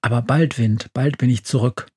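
A narrator voicing a friendly, gentle witch in a slightly raised voice. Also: medium pitch, steady tone, moderate pace, breathy edge, no room sound, clean studio sound. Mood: calm. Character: kind older witch, calm and friendly.

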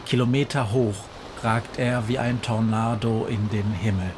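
A man reading a fairy tale aloud in a measured, solemn way that slows down for dramatic moments. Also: fairly low pitch, steady tone, noisy background. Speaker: narrator. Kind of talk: scripted storybook narration.

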